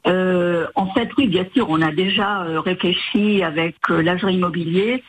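A retired older woman calling into a radio show, heard over a phone line, speaking in a hesitant, measured way with frequent filler pauses. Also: on the low side, slightly rough. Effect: heard over a phone line into the studio.

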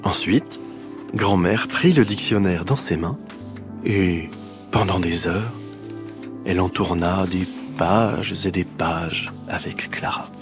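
A man reading a children's story aloud in a slow, expressive storytelling manner. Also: low voice, music in the background.

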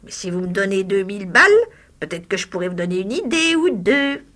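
Reading a short story, a woman gives voice to a spiteful, greedy, disfigured old hag whose voice grates and cackles. She speaks fairly quickly with a sharp, natural tone. Her delivery is wheedling, shrill and sneering.

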